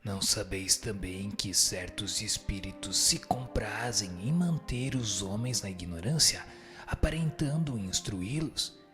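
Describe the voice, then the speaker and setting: A man's voice: on the low side, natural voice. A Brazilian man playing a wise, solemn spirit teacher in a radio drama, speaking in formal, didactic and rhetorical phrases. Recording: music behind the voice.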